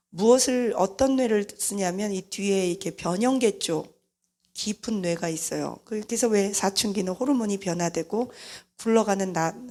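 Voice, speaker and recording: A middle-aged woman preacher giving a lively sermon-style talk about parents and children, acting out family voices along the way. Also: mid-range voice. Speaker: mission leader and preacher.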